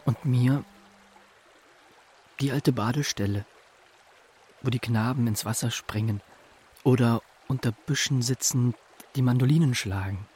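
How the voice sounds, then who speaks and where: An actor playing an earnest disciple, reciting ancient verse in a declamatory, deliberate way in a radio drama. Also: male voice, medium pitch, darkish tone, a little hiss or hum, natural voice. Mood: earnest, dreamy.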